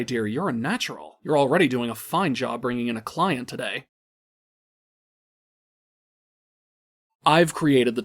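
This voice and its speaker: A man's voice: mid-range voice, close to an everyday voice. Casting: male actor as ruthless loan shark for audio drama, smugly cruel, condescending false courtesy that flips to menace. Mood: condescending, controlling. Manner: mock-courteous and condescending, erupting into menacing outbursts.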